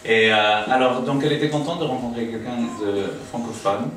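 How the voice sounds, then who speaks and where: A man's voice: mid-range voice, a little fast, fairly bright tone. A man from the United States speaking informally to a small church gathering, hesitant, with many fillers and restarts. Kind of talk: informal talk to a small congregation. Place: living room used for a home church. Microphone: distant camera, speaking through a small PA. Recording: echoey room from a distant camera, audible noise.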